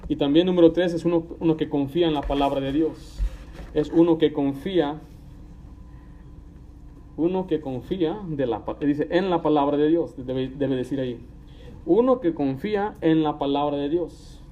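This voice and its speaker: Slightly high and mellow, at a moderate pace, a young man preaches as pastor, telling anecdotes and acting out quotes in a conversational sermon. The recording from the church sanctuary is muffled and echoey, with slight background noise and faint ambience.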